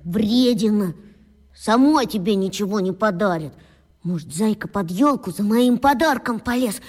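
Stubborn little boy, husky breathy tone, long hall reverb, some music. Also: medium pitch, lively intonation, measured pace, a little mellow.

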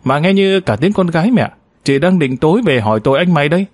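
A man's voice: on the high side, expressive, no room sound, pitched above the performer's own voice. A man voicing a scolding middle-aged wife. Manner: sharp, scolding, quick.

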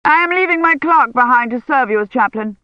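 A man's voice: very high voice, animated, brisk, no room sound, muffled recording, pitched above the performer's own voice. A narrator voicing a male church envoy who answers curtly and dismissively, in a hurry to leave. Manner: curt, dismissive. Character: evasive, hurried clerical envoy.

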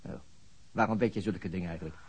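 An actor playing a weary, dogged police detective who talks hesitantly in a radio drama. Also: male voice, deep voice, quick pace, breathy edge. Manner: hesitant, with frequent stops.

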